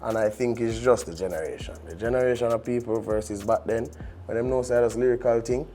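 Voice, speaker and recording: A man's voice: medium pitch, fairly quick, mellow, soft background music. A man with a Jamaican accent, an event director explaining things in an interview.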